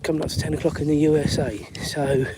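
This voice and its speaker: A man in his forties from the London area with an English accent and a raspy voice, hosting a live chat while walking his dog outdoors and breaking off to call her along. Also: fairly high pitch, flat delivery, fast. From England. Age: 40s. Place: outdoors on a windy street. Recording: windy outdoor phone recording. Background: wind noise.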